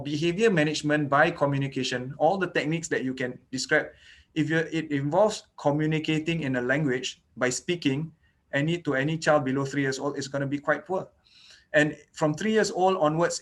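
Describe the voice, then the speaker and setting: A man whose first language is Malay, giving an online lecture on child dental care, explaining step by step with frequent "okay" and "you know". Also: fairly high pitch. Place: indoors, online lecture recording.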